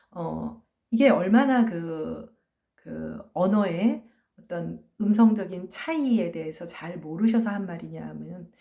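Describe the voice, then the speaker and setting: A woman teaching a phonology lecture. She explains patiently, asks questions and answers them herself, and says sounds slowly to show them. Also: medium pitch, creaky, warm tone. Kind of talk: recorded online lecture.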